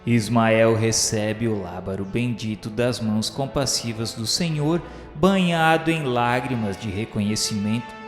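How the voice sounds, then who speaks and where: Long reverb and music surround a man narrating a religious radio play. His mid-pitched voice moves very slowly through ornate prose, reverent and declamatory. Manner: reverent, declamatory, literary delivery. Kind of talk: solemn scripted radio drama narration. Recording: echoey hall-like reverb with music.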